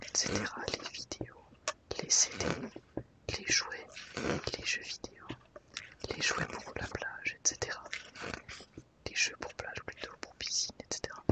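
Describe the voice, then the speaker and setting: An ASMR host, whispering softly and unhurriedly while guiding listeners through a book. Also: rough recording. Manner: soft, unhurried guided browsing through a book.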